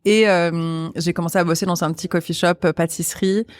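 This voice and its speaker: Québécoise woman, flat, dry voice. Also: lowish voice, brisk, dry recording. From Quebec. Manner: easygoing, frequent fillers, light laughs. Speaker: restaurant co-founder, guest. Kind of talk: casual interview chat.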